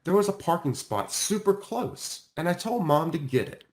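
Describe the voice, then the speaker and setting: A man reading a children's storybook aloud as scripted narration, with expressive, emphatic phrasing. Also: on the high side, normal speed. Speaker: author reading their own children's book aloud.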